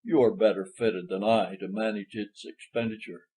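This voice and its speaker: A man's voice: fairly low pitch, fairly even intonation, normal speed, dark tone, breathy edge, low-quality recording. A man voicing a dignified, sentimental older Southern major in a storybook, speaking in a formal, courtly way. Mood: moved, dignified.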